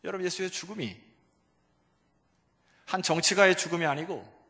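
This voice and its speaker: A male pastor preaching a sermon, emphatic, swinging between loud exclamations and hushed low asides and calling out to the congregation. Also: moderate pace. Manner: calls out to the congregation for responses. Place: church sanctuary. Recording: long reverb of a large church hall.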